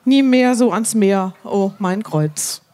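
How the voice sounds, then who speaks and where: A woman from Cologne co-presenting a limerick reading, making brisk remarks and reading verses aloud. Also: mid-range voice, warm tone. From Cologne, Germany.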